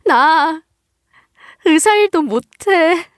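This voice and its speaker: A woman's voice: very high-pitched, lively intonation, extremely slow, fairly bright tone, no echo, clean studio sound, voice pushed up, exaggerated voice. A woman voicing a desperate young adult daughter who pleads tearfully with her mother. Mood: pleading.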